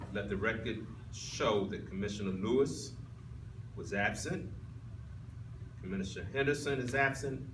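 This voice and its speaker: A man acting as commissioner and chair of a public meeting, formally calling the roll and reading minutes aloud in a procedural way, with occasional stumbles. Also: lowish voice. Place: indoor meeting room, picked up from a distance. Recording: distant mic, echoey room, clear background noise.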